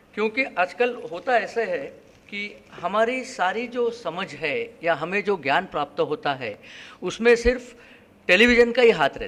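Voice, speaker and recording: A man with a Marathi accent and lively intonation, over noticeable background noise. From India, Indore (Madhya Pradesh). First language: Marathi (speaking Hindi). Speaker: guest speaker on geopolitics. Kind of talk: public lecture. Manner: hesitant, frequent filler 'uh'.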